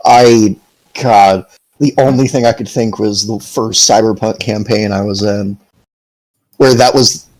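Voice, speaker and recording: A man's voice: lowish voice, steady tone, a little slow, darkish tone, low-quality recording. A man playing in a tabletop game, friendly and supportive toward his teammates. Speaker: player. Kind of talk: casual tabletop game chat.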